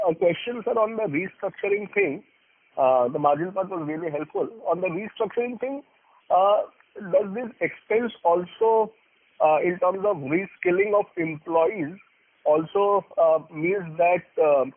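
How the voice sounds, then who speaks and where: A man with an Indian accent puts questions as an investment analyst on an earnings call. His voice is husky and slightly high, and he is polite, hesitant and wordy. It comes over a garbled, narrow phone line.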